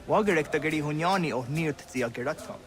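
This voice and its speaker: An actor playing an agitated younger Native American villager in a video game cutscene. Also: male voice, fairly high pitch, fast talker, close to an everyday voice. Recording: music behind the dialogue.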